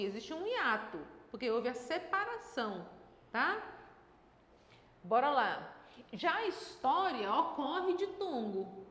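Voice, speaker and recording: A woman's voice: a little high, a bit bright. A woman teaching a grammar lesson for exam preparation, explaining step by step and checking in with her students with short tags, with a slightly dry throat. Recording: echoey room with long reverb.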